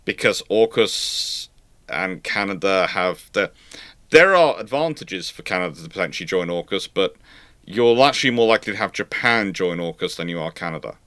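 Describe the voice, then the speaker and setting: Guy doing live q&a commentary, lowish voice, very dry sound, emphatic and a bit halting. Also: animated, fairly bright tone, dry recording. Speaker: host of a naval history live Q&A. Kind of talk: informal expert commentary answering questions.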